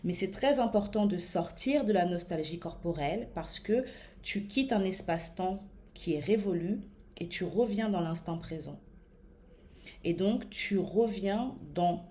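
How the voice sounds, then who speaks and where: A woman in her thirties with a French accent, coaching her listeners on body image in a slow, deliberate talk with frequent hesitations. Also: lowish voice, expressive, warm tone. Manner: many hesitations and fillers. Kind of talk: motivational talk to camera.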